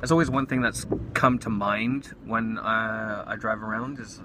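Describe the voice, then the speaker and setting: Noticeable background noise sits under the recording. A man speaks in a fairly low pitch with ordinary pitch variation. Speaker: vlogger. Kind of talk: casual vlog monologue. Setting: in a car, driving. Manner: halting, many fillers and restarts.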